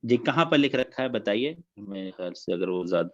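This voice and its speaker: A man's voice: on the low side, expressive, highs cut off. A man teaching an online class, repeating key facts and dates.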